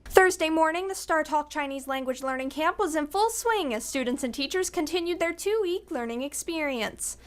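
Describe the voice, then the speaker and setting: High-voiced woman student reporter. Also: normal speed, hardly any pauses. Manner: scripted, even reading. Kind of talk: news package narration.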